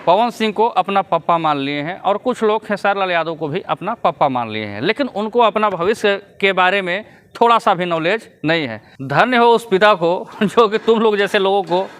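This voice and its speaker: A man's voice: high voice, expressive, normal speed, a bit bright, smooth. A man giving casual vlog commentary, lecturing his viewers and chuckling between points. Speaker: YouTube commentator.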